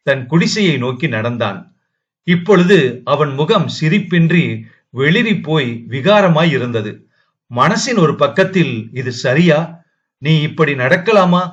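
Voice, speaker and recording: A man reading a short story aloud as an audiobook narrator, with a steady dramatic delivery. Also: on the high side. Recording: dull lo-fi audio.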